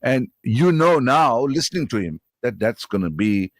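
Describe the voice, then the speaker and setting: A man's voice: mid-range voice, big pitch swings, normal speed, dry recording, clean studio sound. A man co-hosting a talk show, jovial and enthusiastic as he chats with the guest. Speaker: co-host. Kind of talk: talk-radio banter.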